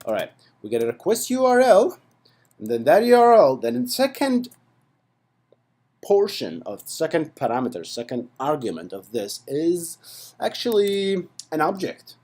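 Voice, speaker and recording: An instructor walks through code in a relaxed screen-recorded lesson, his pitch rising and falling a lot in a mellow, dark tone. Unhurried, chatty and playful, he keeps checking in with the viewer with frequent "right?" and "okay" asides.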